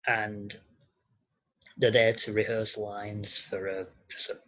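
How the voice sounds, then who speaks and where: A podcast guest with a masculine-sounding voice answers conversationally in a halting, hesitant way, on slightly muffled audio. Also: mid-range voice, little pitch movement, fairly bright tone.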